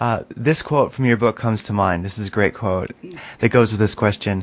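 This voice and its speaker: The man has an ordinary speaking voice at a medium pitch. His intonation is fairly even. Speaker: podcast co-host. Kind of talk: interview.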